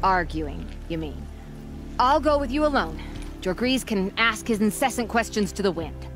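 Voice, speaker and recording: A woman's voice: medium pitch, expressive, normal speed, lightly acted. An actress playing a snappy, argumentative young female tribal hunter in a video game. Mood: exasperated. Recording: game music behind the voice.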